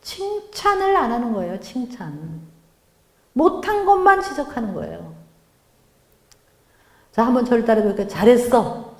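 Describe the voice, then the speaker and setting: A middle-aged woman speaking as guest lecturer at a church mothers' meeting, lively, acting out quoted family lines. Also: a little high, moderate pace, pauses often. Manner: animated, acts out quoted lines of family members. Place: church sanctuary. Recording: echoey church hall.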